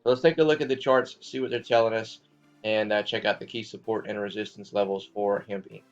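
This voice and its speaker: Laid-back guy running a money channel, kinda low voice, lots of um and okay, muffled audio w/ faint music under it. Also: fairly even intonation, fairly quick. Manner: loose and chatty, many fillers, checks in with "okay?". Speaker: finance channel host. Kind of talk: casual market commentary to viewers.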